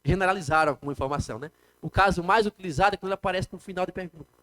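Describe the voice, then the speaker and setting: A man with a Brazilian Portuguese accent gives a lecture in a classroom. His voice sits a little high, and he explains step by step, often asking the class questions. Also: racing, pushed and bright. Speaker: teacher. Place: classroom with students.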